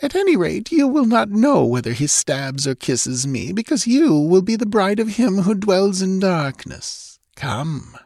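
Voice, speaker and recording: A man's voice: high-pitched, sing-song, a little slow, few pauses, darkish tone, no room sound, studio quality, voice pushed up, exaggerated voice. A man voicing a cruel, imperious young woman with a cool, haughty, menacing manner in a fantasy audiobook. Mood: haughty, gloating. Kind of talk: dramatised audiobook reading of pulp fantasy.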